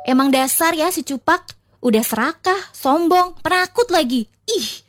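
A woman storyteller narrating a folktale in a casual, expressive, gossipy way with informal asides. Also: high voice, a little slow, slight background noise.

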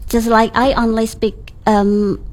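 A woman with an Indonesian accent whose first language is Javanese, a lecturer speaking as a guest on a talk show, friendly and quick to laugh. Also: on the high side, level tone. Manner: friendly, agreeable, laughs easily. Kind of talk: interview talk.

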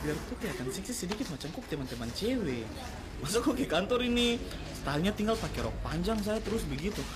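Brief: woman as a joking coworker, animated, mid-range voice. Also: medium pitch, fast, crowd noise, natural voice. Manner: joking, chiming in, laughing. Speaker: teasing coworker. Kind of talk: amateur comedy skit acting. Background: loud music.

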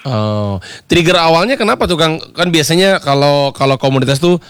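A man hosting a radio talk show, chatty and jokey, with quick asides. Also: on the high side, expressive, a bit bright, clear, resonant tone, dry recording, studio quality. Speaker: radio host.

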